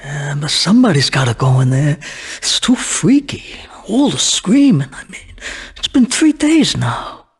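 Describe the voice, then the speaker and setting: An actor playing a nervous, cowardly mobster henchman in a crime video game, with a husky voice and a stammering, pleading manner. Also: on the high side, very animated, unhurried, exaggerated voice. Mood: uneasy. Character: jittery, cowardly New York mobster henchman.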